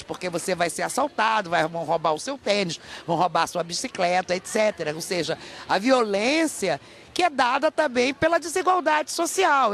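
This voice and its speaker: Casting: middle-aged Brazilian woman scholar, emphatic and rhetorical, explaining in an interview over clear background noise. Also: medium pitch, fairly bright tone. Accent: Brazilian Portuguese. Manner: emphatic, rhetorical, checks with "não é?". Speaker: academic guest, professor and author.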